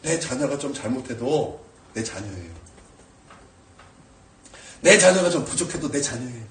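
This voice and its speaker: A male pastor preaching a sermon, swinging from shouted prayers down to quiet, low asides. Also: sing-song, measured pace, echoey room, recorded from a distance, a little hiss or hum. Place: church sanctuary.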